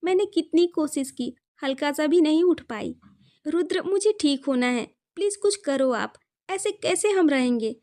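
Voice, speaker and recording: A woman playing an emotional young wife, high voice, tearful and teasing, storybook reading. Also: lively intonation, normal speed, mellow. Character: young wife who cannot walk, emotional.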